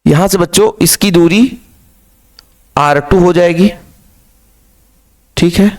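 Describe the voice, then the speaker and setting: A man's voice: high voice, slow, darkish tone. A man teaching physics to his pupils, repeating key phrases and asking questions that he then answers himself. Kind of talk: classroom lecture.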